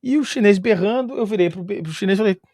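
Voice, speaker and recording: A man with a Brazilian Portuguese accent, his voice sitting a little higher than most men's, tells a travel story in relaxed conversation. He is lively, chuckles often and fills gaps with sound-effect words. The recording is dry and close, with no room echo. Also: quick pace. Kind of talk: casual spoken storytelling.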